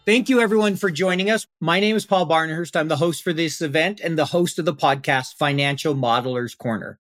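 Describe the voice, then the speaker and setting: A man's voice: fairly high pitch, a little fast, fairly bright tone, dry recording. A man hosting a live panel discussion, asking guests friendly questions in an upbeat way. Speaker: podcast host.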